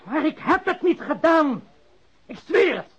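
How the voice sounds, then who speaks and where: Nervous evasive crook, lively pitch swings, stammering protests, radio play, lo-fi sound. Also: male voice, a little slow, heavily acted. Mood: flustered, pleading. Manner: stammering, pleading, indignant. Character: cornered male crook, protesting his innocence, evasive, nervous. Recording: dull lo-fi radio recording.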